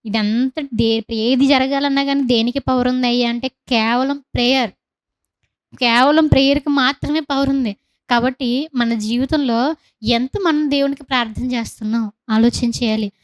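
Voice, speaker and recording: A woman's voice: sits high, fairly even intonation, normal speed, no echo. A woman with a Telugu accent preaching a sermon, telling a Bible story with rhetorical questions and acted-out voices. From South India.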